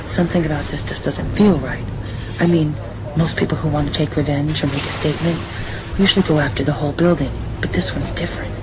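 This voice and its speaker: A woman playing a determined young female TV news reporter in an amateur radio drama, brisk and earnest, on a noisy recording. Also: sits low, steady tone, close to an everyday voice. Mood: indignant.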